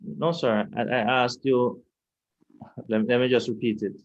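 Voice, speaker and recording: A man with a Jamaican accent, a lawyer questioning a witness at an inquiry in a measured, deliberate, repetitive way. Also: mid-range voice, fairly even intonation, lo-fi sound. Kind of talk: courtroom cross-examination. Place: inquiry hearing room.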